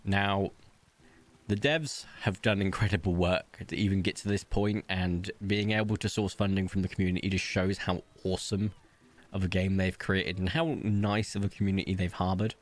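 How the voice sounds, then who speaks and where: Chatty guy playing games at his pc, kinda low voice, rambles and laughs a lot. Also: little pitch movement, normal speed. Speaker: gaming channel host. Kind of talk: casual let's-play chat.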